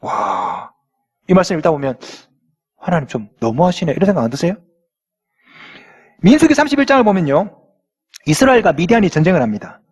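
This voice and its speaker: In a church with long hall reverb, a male pastor preaches a sermon, reading scripture aloud and asking the congregation rhetorical questions. His voice sits high with a breathy edge, very animated and fairly quick, broken by long pauses.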